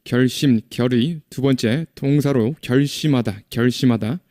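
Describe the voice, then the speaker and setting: A man teaching an English vocabulary lesson, saying English example sentences slowly and with care and explaining them in quick bursts. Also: medium pitch, warm tone, no room sound, studio quality.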